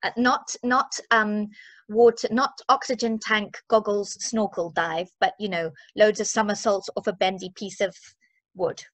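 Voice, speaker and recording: A woman in her forties from Zimbabwe, talking casually as an interview guest in a chatty, playful, expressive way. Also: medium pitch, unhurried, no room sound. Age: 40s. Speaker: interview guest, mindset and movement coach.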